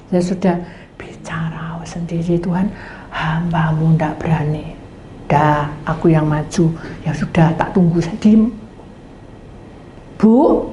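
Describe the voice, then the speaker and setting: A middle-aged woman pastor, telling a sermon story and acting out each side of the conversation, sometimes dropping to a whisper. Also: fairly low pitch. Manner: animated storytelling, acting out both sides of conversations, drops to whispers. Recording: echoey room with faint background noise.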